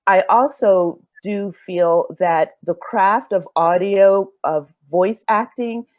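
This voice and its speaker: A woman speaking as a panelist and audio drama creator, reflective and halting as she searches for words in an unscripted discussion. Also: mid-range voice, darkish tone, dry recording, highs cut off.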